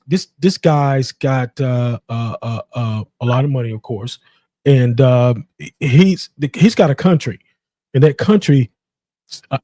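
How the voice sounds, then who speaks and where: A man's voice: medium pitch, dark tone, no echo. A man casually hosting a live boxing call-in show in a rambling, repetitive way. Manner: rambling, repeats himself.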